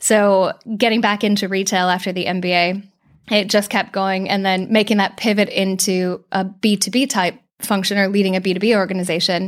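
A woman with an American accent speaks at medium pitch. The recording is very clean, with a silent background. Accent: American Midwestern, noticeable in UK. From US Midwest, Wisconsin. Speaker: retail business executive. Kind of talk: interview. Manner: fast; animated.

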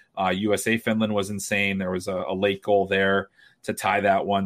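A normal speaking voice with an American accent, at a moderate pace. The recording is very clean, with a silent background. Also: man. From Chicago, US Midwest. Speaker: hockey writer and podcaster. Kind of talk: casual interview.

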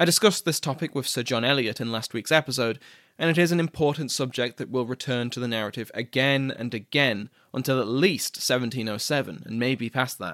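The speaker talks with a British accent at a fairly quick pace and ordinary pitch variation. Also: man, medium pitch for a man, very clean recording, silent background. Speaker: history podcast host. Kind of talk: scripted narration.

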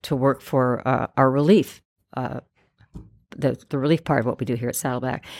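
On a very clean recording with a silent background and a dry, close sound with no echo, a woman with a very deep, low pitch speaks at a moderate pace with fairly even intonation. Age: 70s. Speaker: church prayer ministry staff. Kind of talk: interview conversation. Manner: halting.

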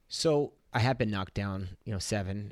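An unremarkable speaking voice, with ordinary pitch variation and a moderate pace, comes through on a very clean recording with a silent background. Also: man. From US Northeast, Philadelphia. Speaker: mindset coach. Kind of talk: interview testimony.

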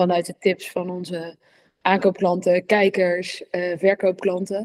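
Recorded with a dry, close sound and no echo, a woman speaks at medium pitch in a monotone, flat intonation. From Netherlands, Arnhem (Gelderland). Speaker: real estate agent. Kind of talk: interview.

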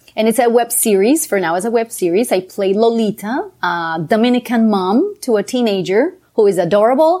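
A woman with a Colombian accent speaks at a fairly quick pace with hardly any pauses, her fairly high voice carrying a dark, mellow tone and lively intonation. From Colombia, Coffee Axis. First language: Spanish. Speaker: immigrant guest. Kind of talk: casual interview chat. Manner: upbeat, positive.

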